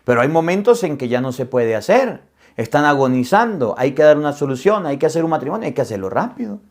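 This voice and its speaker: Man, priest, lively storytelling sermon, fairly high voice. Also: fast talker. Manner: animated storyteller, acts out quoted dialogue. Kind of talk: storytelling homily.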